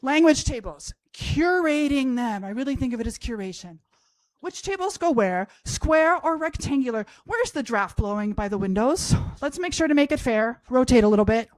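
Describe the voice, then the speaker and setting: A woman's voice: high voice, animated, moderate pace, dry recording. A woman in her fifties from Austria, a language professor telling a humorous personal story on stage to an audience, wry and self-mocking. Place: college event stage before an audience.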